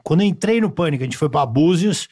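A man's voice: fairly high pitch, animated, fast talker, darkish tone, slightly rough. A male comedian with a Brazilian Portuguese accent chatting casually, emphatic and full of slang and swearing. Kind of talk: casual chat.

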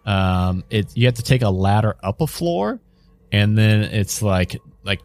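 A man's voice: on the low side, animated, unhurried, a little mellow. A man narrating as game master in a tabletop game, casual and loose, with lots of fillers.

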